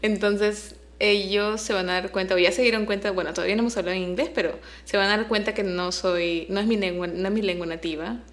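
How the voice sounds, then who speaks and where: A young woman, a native Spanish speaker, co-hosts a relaxed podcast at a middling pitch. She talks in a chatty, teasing way and keeps the conversation rolling. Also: fast talker, few pauses. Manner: chatty and teasing, laughs often. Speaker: podcast co-host. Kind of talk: casual chat.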